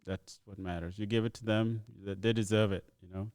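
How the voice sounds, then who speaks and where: Laid-back man, low voice. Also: fairly even intonation, brisk, a little mellow, dry recording, clean studio sound. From Ethiopia. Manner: easygoing storyteller, laughs often. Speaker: comedian guest. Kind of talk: casual podcast chat.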